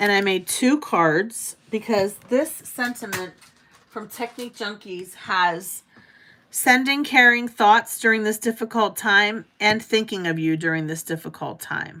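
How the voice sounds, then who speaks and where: In a Pittsburgh accent, a woman speaks at a fairly slow pace in a fairly high, bright, sharp voice with ordinary pitch variation. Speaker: card-making crafter. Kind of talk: live stream craft demo. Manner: casual, hesitant with fillers.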